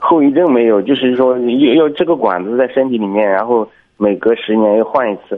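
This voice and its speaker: A man at medium pitch with ordinary pitch variation and a fairly quick pace. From Shandong, China. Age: 20s. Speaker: teacher, caller. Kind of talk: call-in advice conversation. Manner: halting, repetitive.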